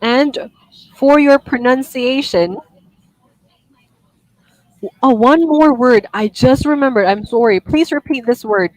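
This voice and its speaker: Woman, IELTS speaking teacher, raised voice, dry close sound, gently corrective. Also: high-pitched, slow, pauses often, dry recording, poor audio. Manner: gently corrective, apologetic, laughs easily. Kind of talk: online one-on-one lesson feedback.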